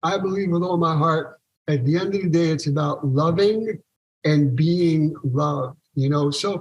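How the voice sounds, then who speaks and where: An ordinary speaking voice from a man, fairly high in pitch, with ordinary pitch variation and a moderate pace. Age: 60s. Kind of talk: podcast interview testimony.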